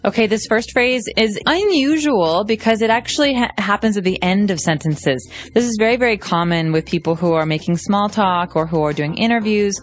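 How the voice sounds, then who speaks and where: A woman's voice: medium pitch, fairly quick, hardly any pauses, soft background music. A woman co-hosting an English lesson podcast, explaining phrases with examples. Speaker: co-host, English teacher. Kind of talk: language lesson podcast chat.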